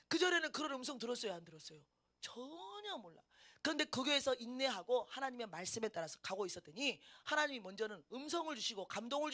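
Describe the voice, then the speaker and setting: A middle-aged woman pastor preaching a sermon, swinging between loud emphatic lines and hushed ones, and acting out the voices she quotes. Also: high-pitched. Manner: emphatic preaching with sudden loud outbursts and drops to a hush; acts out quoted voices and laughs at her own stories.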